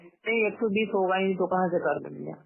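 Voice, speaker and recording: High-voiced man on a tinny phone. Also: fairly quick, creaky, slightly rough. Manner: firm, repetitive refusals. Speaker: broker on a phone call. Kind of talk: informal phone negotiation. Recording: tinny, radio-like recorded phone call.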